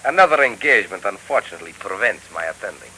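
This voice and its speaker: An actor playing a scheming professor who is a cold, calculating hypnotist villain, in a 1930s radio drama. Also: male voice, on the low side, animated, fast talker, pushed and bright, rough recording. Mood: suave. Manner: smooth, coldly calculating. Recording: old radio broadcast, faint hiss.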